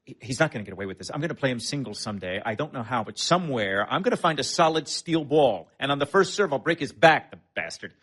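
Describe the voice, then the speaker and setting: An actor playing a hot-tempered middle-aged husband on vacation, biting and sarcastic, flaring into shouting. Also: male voice, fairly high pitch, expressive, quick pace. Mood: exasperated. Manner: flares into shouting. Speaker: hotel guest on vacation. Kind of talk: comic film acting.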